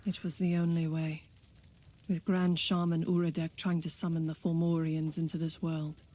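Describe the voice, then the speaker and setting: An actress playing a stern, scornful pagan warrior woman in a fantasy video game, husky and biting. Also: sits low, level tone, moderate pace, warm tone. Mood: grim insistence. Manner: biting, sardonic, commanding.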